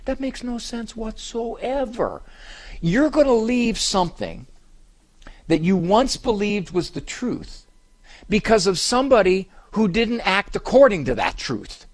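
At a live event on a cruise ship, an older man who is a radio talk show host and psychologist hosts a talk show, telling funny self-deprecating stories. His high-sitting voice is unhurried, his joking animated.

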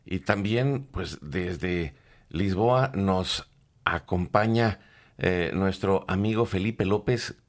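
A man hosting a live program, introducing reports in a measured way with some fillers. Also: sits low. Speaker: studio host. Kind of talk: live broadcast presenting.

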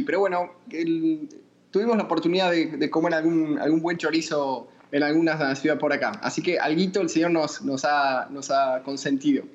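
A man's voice: fairly high pitch, highs cut off. A man from Argentina with an Argentine accent, a musician guest answering thoughtfully with many restarts. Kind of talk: interview answers.

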